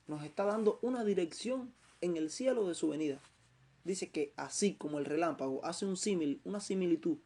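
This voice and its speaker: A man from Cuba, preaching a Bible lesson in a slow, emphatic way that repeats phrases for stress. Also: high-pitched, creaky, mellow. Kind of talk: Bible teaching sermon.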